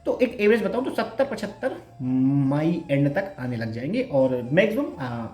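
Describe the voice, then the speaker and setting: A man's voice: fairly high pitch, very animated, moderate pace, darkish tone, reverberant. A young man chatting casually to viewers with self-mocking humor, giving study advice as an exam aspirant. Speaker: bank exam aspirant vlogger.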